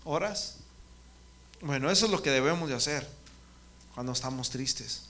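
A man's voice: mid-range voice, normal speed, sharp tone. A man giving a children's sermon, often stopping to question the kids by name. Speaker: children's ministry preacher.

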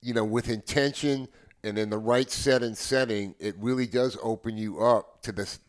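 Man, seventies, American accent, medium pitch, casual conversation, earnest, halting with repeated words. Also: fairly even intonation. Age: 70s. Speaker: podcast guest, house DJ.

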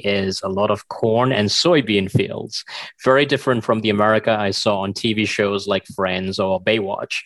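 Low-voiced, relaxed male podcast guest. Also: dry recording. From Sri Lanka. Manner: relaxed, with fillers like uh and um. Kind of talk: casual conversational chat. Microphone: dry close mic, remote recording from home.

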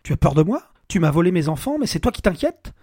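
A man voicing an obsessive middle-aged husband who presses, accuses and breaks into shouting at his wife. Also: on the high side, animated, a little fast, breathy edge, no room sound, clean studio sound. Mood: furious.

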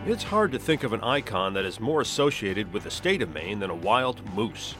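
A man's voice: lowish voice, expressive, moderate pace, music in the background. A man hosting a podcast, reading scripted narration in the manner of a nature documentary. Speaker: podcast host.

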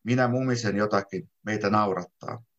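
A man reading his own literary text aloud in a calm, measured first-person narration. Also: lowish voice. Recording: dull lo-fi sound.

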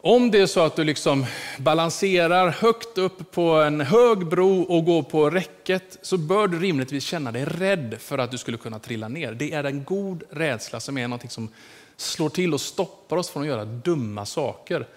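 A man's voice: fairly high pitch, animated. A man giving a sermon, leading into his point with a personal story told in a loose, conversational way. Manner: storytelling, warm anecdotes, many fillers. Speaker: preacher. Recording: long echoey hall reverb.

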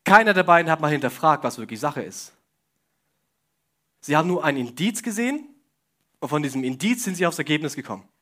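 A young man delivers a sermon in a relaxed, conversational way, pitched a little higher than most men. He keeps turning to his listeners with questions and wry jokes. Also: brisk, long pauses. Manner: casual, joking asides, questions to the audience. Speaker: preacher. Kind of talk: sermon to a congregation.

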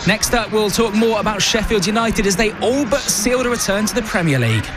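A man's voice: sits high, lively intonation, fairly quick, noisy background. A British man presenting live sport on the radio from a studio, with an emphatic broadcast delivery. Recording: music behind the voice. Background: music.

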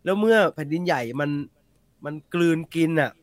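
A man's voice: a little high, lively intonation, brisk, no echo. A man in casual co-host banter, jokey and teasing, mixing polite phrasing with swearing.

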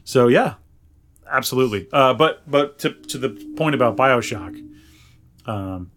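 A man with a medium-pitched voice co-hosts a casual podcast. He talks in a loose, rambling way and offers his opinions conversationally, as if catching up with a friend. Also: lively intonation, measured pace, a bit bright. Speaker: podcast co-host. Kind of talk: casual chat.

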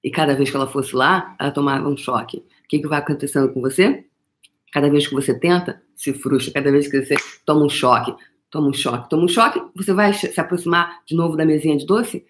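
A woman's voice: low voice, fast. A middle-aged woman with a Brazilian Portuguese accent, giving a live motivational talk. She speaks emphatically, often calls the listener "meu amor" and swears now and then. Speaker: motivational coach.

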